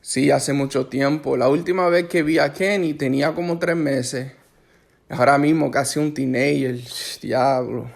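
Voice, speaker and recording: Puerto Rican man with a Puerto Rican accent, gravelly mid voice, easygoing family chat. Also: a little high, moderate pace. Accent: Puerto Rican Spanish. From Puerto Rico. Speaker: host chatting with a relative. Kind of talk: casual conversation.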